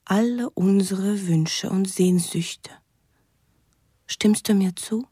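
A Russian sweetheart in a radio play, reading love letters intimately. Her voice is mellow and breathy, slightly husky, and very close and dry. She sounds tender and pleading. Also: mid-range voice, slow, no room sound. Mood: tender, earnest. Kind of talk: radio drama monologue.

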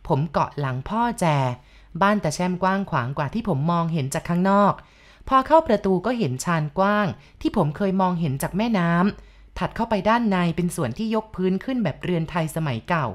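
Low-voiced woman telling a ghost story. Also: fairly quick. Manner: calm, even storytelling. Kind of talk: scripted narration of a ghost story.

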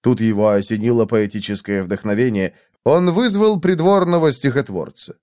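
A man narrating an audiobook in a lively, expressive way. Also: mid-range voice, normal speed, no room sound, studio quality.

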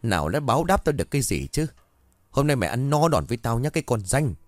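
A man's voice: medium pitch, big pitch swings, no echo, natural voice. A man doing a cruel scolding village aunt. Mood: furious. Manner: scolding, rapid and harsh. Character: cruel, shrill-tempered middle-aged aunt.

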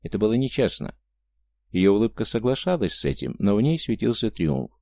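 A man narrating an audiobook in a calm, measured storytelling manner. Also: lowish voice, vocal fry, no echo, studio quality. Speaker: audiobook reader. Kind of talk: scripted narration.

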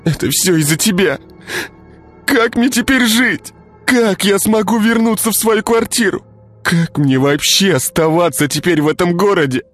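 A man's voice: normal speed, faint music behind, lightly acted. A male narrator voicing a frightened, furious young woman who sobs and stammers. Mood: hysterical. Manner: sobbing, stammering, shrill outbursts.

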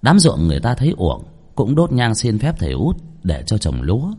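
Male storyteller for a ghost tale: husky, highly animated, dramatic. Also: a little fast.

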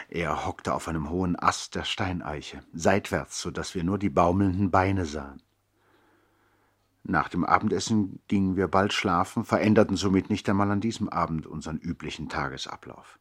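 A man acting as a reflective narrator who recalls his boyhood in a measured, literary 1960s radio play style. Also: sits low, breathy edge, no echo, clean studio sound. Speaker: narrator and actor.

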